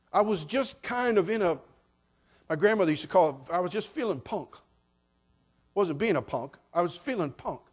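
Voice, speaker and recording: A middle-aged man preaching a sermon as pastor, folksy and joking, building up to shouted passages. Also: high-pitched.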